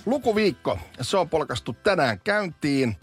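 A man's voice: on the high side, very animated, music in the background. A man co-hosting a casual morning radio chat, telling stories in a chatty way. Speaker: radio co-host.

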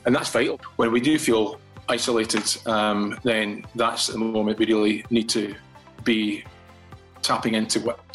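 A man's voice: fairly low pitch, a bit bright, poor audio. Rambling older Scottish man. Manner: rambling, with many repeated words and restarts. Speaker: guest from a fathers' charity. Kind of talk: casual radio interview.

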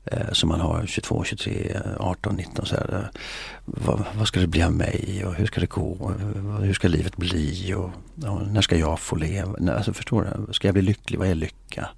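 Middle-aged man, very low voice, husky, hesitant, philosophical, dry sound. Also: steady tone, hardly any pauses, a little mellow, no room sound. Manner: hesitant, many filler sounds; musing, philosophical. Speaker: interview guest. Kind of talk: reflective conversation.

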